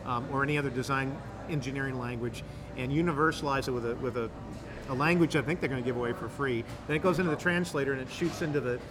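A man's voice: medium pitch, fast, music in the background. A man from the Midwest, a guest on a podcast, explaining at length in a rambling, enthusiastic way with frequent restarts. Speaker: guest, incubator director. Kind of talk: casual podcast interview.

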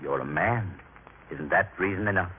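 An actor playing a kind, humble Samaritan traveler in an earnest, measured old radio drama style. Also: male voice, sits low, natural voice. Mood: gentle, caring. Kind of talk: old-time religious radio drama acting. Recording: tinny, noisy vintage radio recording.

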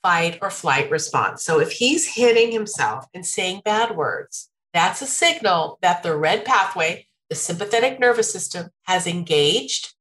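A woman giving parenting advice in a relaxed conversation, laughing often and slipping into a sing-song tone when acting out what parents can say. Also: lowish voice, unhurried, hardly any pauses, low-quality recording. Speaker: parenting expert guest.

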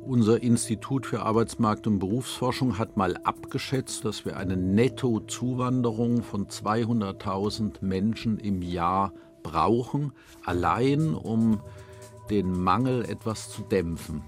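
A man's voice: on the low side, measured pace. A man giving a matter-of-fact statement in an archived news clip. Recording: archive clip with faint music.

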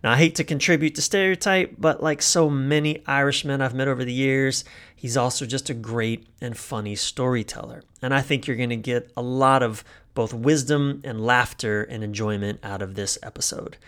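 A man's voice: medium pitch, moderate pace, a bit bright, clean tone. A man hosting a podcast, introducing the episode and chatting with his guest in an enthusiastic, chatty way. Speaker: podcast host.

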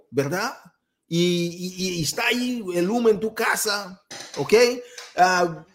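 A man in his thirties gives a motivational talk as a coach. His voice sits somewhat high, and he drives his points home by repeating them and speaking straight to each listener. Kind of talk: motivational talk to a live audience.

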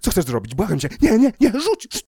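A man's voice: medium pitch, lively intonation, normal speed, faint music behind, voice pushed up, natural voice. A man voicing a frightened male spaceship crewman who pleads and panics, in an audiobook reading. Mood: panicked. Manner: pleading, rising to panicked shouts.

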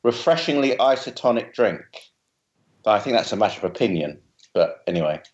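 Posh, proper Englishman with a low voice. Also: animated, brisk, dull audio. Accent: posh southern English. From London, England. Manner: very proper, well-spoken. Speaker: podcast guest, writer and comic character creator. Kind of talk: casual podcast chat. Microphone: remote video call.

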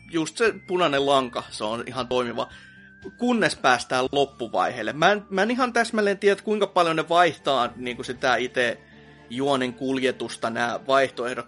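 A man's voice: medium pitch, fairly bright tone. A man co-hosting a podcast, ranting and sarcastic, swearing and laughing in casual chat. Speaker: podcast co-host.

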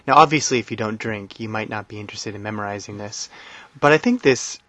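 A man hosting a language-learning podcast in a relaxed, friendly way. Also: fairly low pitch, quick pace, dry recording. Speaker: podcast host. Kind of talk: casual podcast talk.

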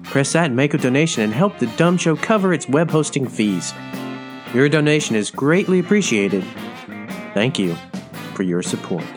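Male promo read, mid-pitched, lively intonation, clear guitar bed underneath. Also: normal speed. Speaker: podcast announcer. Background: guitar music.

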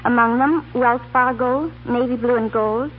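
A woman's voice: fairly high pitch, steady tone, a little slow. Young female student guest, scripted interview delivery, tinny 1930s radio recording with light noise. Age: young adult.

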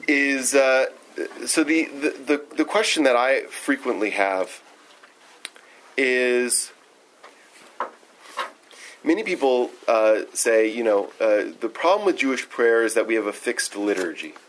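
A man's voice: mid-range voice, lively intonation, slow pace, long pauses, a bit bright, a little hiss or hum, rough recording. A man leading a text study, giving an informal, thoughtful lecture and often checking in with his listeners.

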